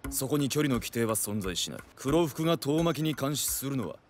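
An actor playing a stern but easily flustered black-suited guard in an anime, clipped and commanding, melodramatic when rattled. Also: male voice, mid-range voice, expressive, brisk, soft background music, lightly acted. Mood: stern, menacing. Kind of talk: dramatic Japanese anime acting.

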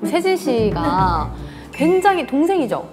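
Brief: female co-host, higher voice, lively and empathetic, loud music underneath. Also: a little slow. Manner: warm, encouraging, empathetic. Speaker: co-host, weather caster. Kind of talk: casual advice chat. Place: bright indoor studio room. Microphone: lapel mic.

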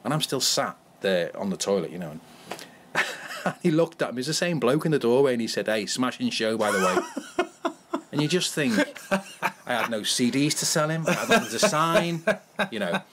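A Merseyside-accented man from the Wirral, a comedian guest, tells anecdotes in a casual chat, laughing a lot and restarting his sentences. His mid-range voice is very animated and fairly bright, delivered at normal speed, with a little hiss or hum in the audio.

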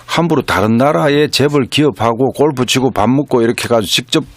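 A man's voice: mid-range voice, fairly quick, no echo. A middle-aged man, a guest analyst, earnestly explaining policy in a political discussion and stressing key words.

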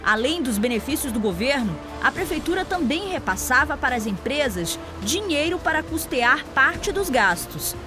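A woman news reporter with a Brazilian Portuguese accent from Amazonas, reading a scripted voice-over in a measured, informative way. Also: high-pitched, big pitch swings. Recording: voice-over with background music.

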